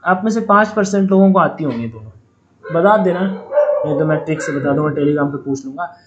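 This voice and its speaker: A man's voice: fairly high pitch, fairly quick, dull audio, a little hiss or hum. A man giving a casual online vocabulary lesson for exam students. He explains words with joking memory tricks and talks to viewers like a friendly older brother.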